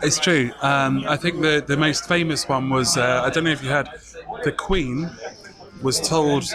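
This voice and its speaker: With music in the background, a man in a London accent speaks at a fairly slow pace in a fairly high voice, with ordinary pitch variation and very even loudness. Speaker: software engineer. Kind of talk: casual chat.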